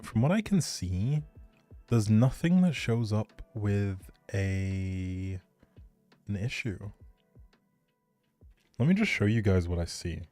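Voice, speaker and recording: Male game streamer, low and soft-toned, chatty and easygoing, music playing underneath. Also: animated, slow pace, long pauses, dry recording. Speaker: video game livestreamer. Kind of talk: casual gaming livestream chat, thinking aloud.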